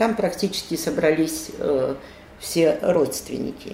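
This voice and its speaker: In a room with audible echo and noticeable background noise, a woman talks at a fairly slow pace and a fairly low pitch with lively intonation. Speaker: screenwriter. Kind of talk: interview.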